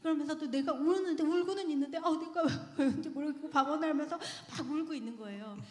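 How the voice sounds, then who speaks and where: A woman tells her personal testimony to a congregation in a chatty, earnest way, often breaking into laughter. Her voice sits fairly high. The sound rings through a large, reverberant church hall. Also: fast talker. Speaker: church member giving testimony. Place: church sanctuary.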